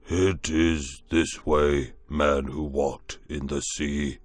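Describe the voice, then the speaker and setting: A man voicing a solemn, hairy gray beast-man in a storybook reading, with a halting, grave delivery. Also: a bass voice, flat delivery, no echo, exaggerated voice.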